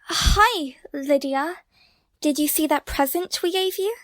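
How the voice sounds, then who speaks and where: Casting: suspicious twin sister played by a woman, high, insistent, dry sound, audio drama. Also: slow, fairly bright tone, dry recording. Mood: wary. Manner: worried, insistent.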